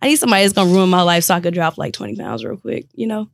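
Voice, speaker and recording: A woman's voice: on the low side, sing-song, racing, creaky, no room sound, clean studio sound. A woman in her thirties with an African American accent, co-hosting a casual chat in a brash, candid, slangy way. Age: 30s. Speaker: podcast co-host.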